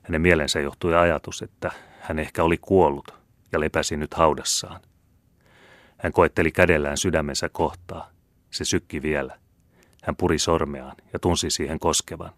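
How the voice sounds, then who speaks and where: A man narrates a classic historical novel in a steady, measured reading. His voice is extremely deep. The recording is dry and close, with no room sound. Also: dry recording. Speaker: audiobook reader. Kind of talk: scripted literary audiobook narration.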